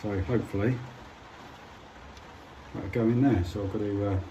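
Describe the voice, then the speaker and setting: A man's voice: on the low side, steady tone, moderate pace, warm tone, a little hiss or hum, poor audio. A British man giving a casual hands-on repair demonstration, informal and a bit hesitant as he thinks aloud while working. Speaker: hobbyist presenter of an electronics repair.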